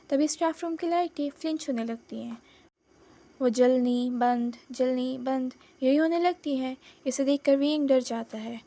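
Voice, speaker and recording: A woman's voice: high voice, warm tone. A young woman narrating her own fan fiction in a chatty, dramatic storytelling manner.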